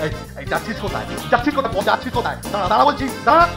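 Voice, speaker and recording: High-voiced, blustering cartoon schoolmaster. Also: male voice, very animated, very fast, creaky, heavily acted. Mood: furious. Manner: scolding, repeats phrases insistently. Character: blustering, short-tempered male schoolteacher and boarding master. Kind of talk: Bengali children's cartoon voice acting. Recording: music behind the voice.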